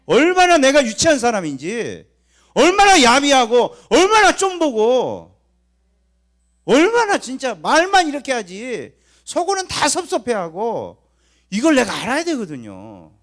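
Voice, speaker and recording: A male pastor preaching an animated sermon that swings between loud and hushed. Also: very high-pitched, a little slow.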